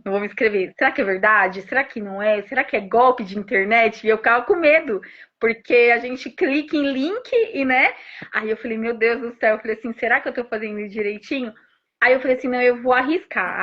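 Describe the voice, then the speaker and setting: A mother in her thirties giving an emotional testimony about her son, talking in animated bursts with restarts. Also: fairly high pitch. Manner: animated storytelling with frequent restarts and rapid asides. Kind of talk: emotional personal testimony on a live stream. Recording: dull lo-fi stream audio.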